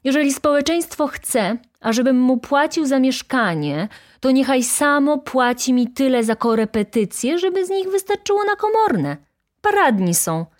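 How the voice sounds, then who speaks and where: A woman voicing a hot-tempered, indignant poor young male student who shouts in outrage. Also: mid-range voice, expressive, measured pace, voice pushed up.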